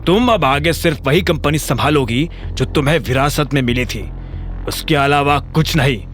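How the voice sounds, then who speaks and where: A man's voice: a little high, normal speed, fairly bright tone, soft background music, natural voice. A man voicing a domineering older patriarch with a heavy voice, curt and commanding.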